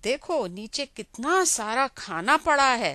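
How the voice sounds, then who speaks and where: A woman speaks in a high voice with a bright, sharp tone. The sound is dry and close, with no echo. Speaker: storyteller. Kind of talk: children's fable reading.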